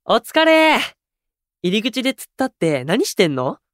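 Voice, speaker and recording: A man's voice: sits high, huge pitch swings, normal speed, a bit bright, no echo, full character voice. Boyish young male idol: impulsive, exuberant, slangy, straightforward, close dry studio sound for audio drama. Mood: cheerful, excited. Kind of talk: anime-style audio drama acting.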